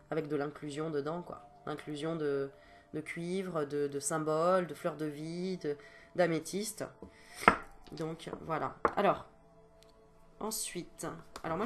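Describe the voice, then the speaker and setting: A woman's voice: deep voice, steady tone, normal speed, noisy background. A French-speaking woman giving a casual, reassuring card reading to camera, talking in a chatty way with many fillers and sighs, coughing now and then. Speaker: card reader and medium.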